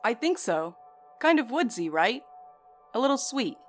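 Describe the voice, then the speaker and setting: A woman acting in an audio drama as a concerned, doubtful but conciliatory friend, speaking in a gentle, questioning way. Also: fairly high pitch, very animated, measured pace, faint music behind. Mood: curious, concerned.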